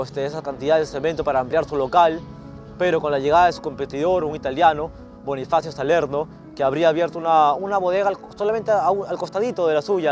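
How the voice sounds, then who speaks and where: A man's voice: fairly high pitch, a little mellow. A man casually retelling a short story, hesitant, with frequent restarts, fillers and tag questions. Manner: hesitant, many restarts and filler "este", rhetorical "¿no?". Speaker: literature channel host retelling a short story.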